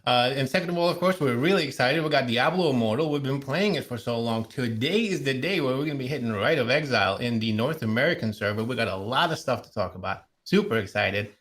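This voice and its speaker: A man co-hosts a gaming podcast with energetic, rambling explanations. His voice is mid-pitched and ordinary. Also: fast, hardly any pauses. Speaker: podcast co-host. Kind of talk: casual podcast chat.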